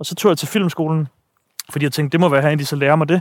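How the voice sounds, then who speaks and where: A man at a fairly high pitch, talking very fast with fairly even intonation. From Denmark, Sejs near Silkeborg (central Jutland). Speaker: film director. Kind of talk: casual interview on location. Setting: outdoors walking around hometown. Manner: halting with repetitions.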